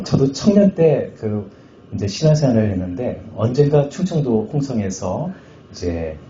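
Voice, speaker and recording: A middle-aged man from Chungcheong Province, a pastor giving a testimony sermon at a revival meeting, telling his story with jokes and loud bursts. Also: fairly low pitch, a little hiss or hum. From Chungcheong Province, Korea. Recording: echoey hall, slightly muffled sound.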